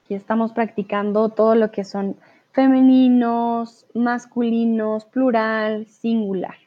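A woman's voice: a little high, little pitch movement, measured pace. A woman teaching Spanish on a live stream, patiently reading out viewers' chat answers and correcting them, sometimes explaining in English or German. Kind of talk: live online language lesson. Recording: tinny narrow-band stream audio.

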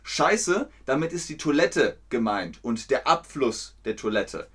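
Man, German teacher, online lesson, bright voice, very lively pitch, playful explaining. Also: husky. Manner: lively, playful, explaining slowly with sound effects.

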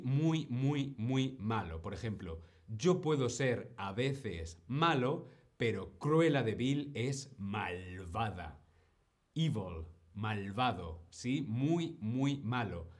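A man teaching Spanish on a live stream, speaking slowly and deliberately, repeating words and often checking in with the viewers. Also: mid-range voice. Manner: answers viewer questions from chat. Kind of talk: live-streamed language lesson.

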